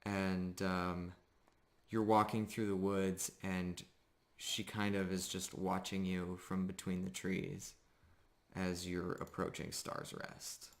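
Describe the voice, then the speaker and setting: A man narrating a tabletop roleplaying game as game master, improvising in halting phrases with pauses. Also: low-pitched, completely flat delivery. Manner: halting, pausing between phrases.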